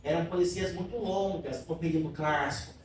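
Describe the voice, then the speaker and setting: A man's voice: a little high, normal speed. A man teaching a literature class who keeps checking in with his students and asking them questions, affectionate with the class. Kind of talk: classroom lecture. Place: classroom in a cultural center. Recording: very echoey room, voice from far off, faint noise.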